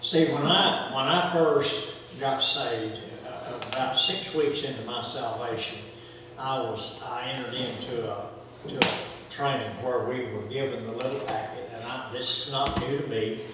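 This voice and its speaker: A man's voice: mid-range voice, steady tone, normal speed, background noise. A middle-aged man leading a church Bible study, quoting scripture and prompting the group with questions. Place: church fellowship hall. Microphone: far camera. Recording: echoey hall from far off.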